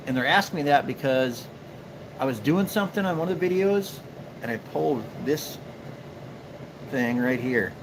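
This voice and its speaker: Easygoing Upper Midwest man, noisy background. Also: medium pitch. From Minnesota. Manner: rambling, easygoing, frequent fillers and restarts. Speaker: livestream host and beaver trapper. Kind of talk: casual live stream chat answering viewers.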